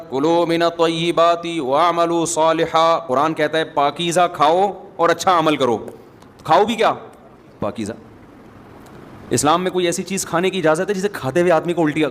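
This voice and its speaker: In a hall with long reverb and faint ambience, a man with a fairly high voice gives an Islamic sermon, casual in tone and peppered with jokes for the audience. Slight background noise is present.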